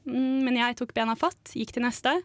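A woman's voice: on the high side, fairly even intonation, no echo. A young woman, co-hosting a radio show and telling a story in a casual chat. She laughs often and uses many fillers. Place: radio studio.

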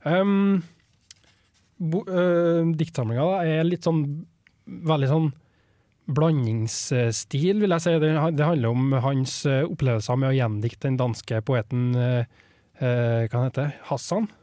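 A man's voice: mid-range voice, dark tone, no echo, clean studio sound. A man reviewing a book and reading a poem aloud on a radio show, talking hesitantly with many fillers.

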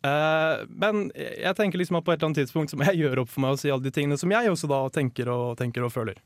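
A man's voice: fairly high pitch, dry recording, clean studio sound. A young man co-hosting a comic radio chat show, handing out playful mock-serious advice, then speaking earnestly and candidly to his co-host. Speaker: podcast co-host.

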